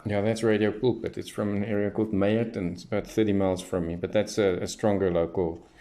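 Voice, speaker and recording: A man's voice: fairly low pitch, flat delivery, fairly quick, dark tone, slight background noise. A man giving casual hands-on commentary as a radio hobbyist, thinking aloud as he tests. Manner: unscripted, thinking aloud while testing.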